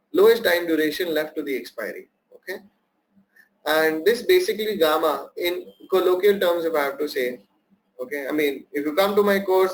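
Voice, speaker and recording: A man's voice: on the high side, slight background noise, low-quality recording. A young man teaching options trading in a live online workshop, quizzing his audience and repeating key points. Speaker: trading instructor.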